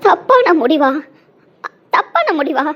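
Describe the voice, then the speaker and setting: A woman's voice: sits high, lively intonation, a little fast. A woman voicing a young woman desperately in love, pleading and repeating herself in an emotional audio drama. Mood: hurt. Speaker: lead character in an audio drama.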